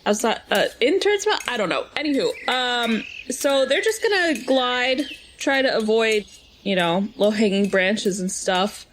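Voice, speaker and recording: A woman's voice: on the high side, lively intonation, unhurried, fairly bright tone, a little hiss or hum. A woman playing a tabletop game, describing her moves in a laid-back, casual way.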